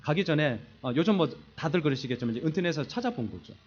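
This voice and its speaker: Middle-aged guy preaching, kinda high voice, swings all over, poking fun at himself, muffled lo-fi audio. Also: fast talker. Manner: animated storytelling, acting out quoted voices; self-deprecating humor. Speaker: pastor. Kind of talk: sermon. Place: church sanctuary.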